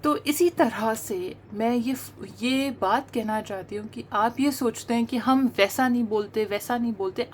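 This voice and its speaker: A middle-aged woman whose mother tongue is Hindi-Urdu, explaining accent and pronunciation in an earnest way, pausing often and mixing in English phrases. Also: on the high side, slight background noise. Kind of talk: talking-head monologue on language teaching.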